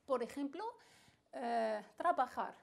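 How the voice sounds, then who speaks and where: A woman teaching a recorded grammar lesson, speaking slowly and deliberately with frequent hesitations. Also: high voice, animated, vocal fry. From Morocco. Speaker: Spanish teacher.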